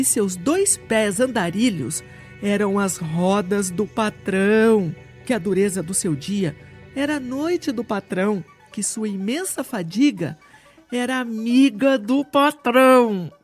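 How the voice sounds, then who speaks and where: A woman speaks at a very slow pace with lively intonation and a medium pitch. Music plays in the background. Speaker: voice actor. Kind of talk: poetry reading.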